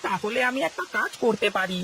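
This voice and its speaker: Sneaky greedy cartoon servant, lively singsong delivery. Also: male voice, brisk, slight background noise. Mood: wheedling. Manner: wheedling, lively swings of pitch. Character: sly greedy male servant, scheming. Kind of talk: cartoon voice acting.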